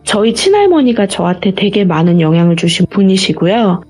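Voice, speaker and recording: A woman's voice: mid-range voice, big pitch swings, fairly quick, a little mellow, husky, soft background music. A woman guest in an interview, retelling a personal story earnestly and vividly.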